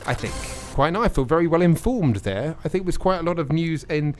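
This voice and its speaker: A man co-hosting a radio show, bantering in a fast, teasing, rambling way. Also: on the high side, animated, faint music behind.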